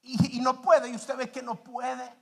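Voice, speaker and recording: A man preaching a sermon as pastor, animated, acting out the voices of the people in his stories. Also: very high voice, unhurried, vocal fry.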